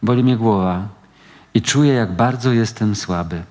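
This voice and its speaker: A male actor giving a measured, expressive dramatic reading of first-person literary prose at a book event. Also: on the low side. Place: event hall at a book meeting. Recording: long hall reverb.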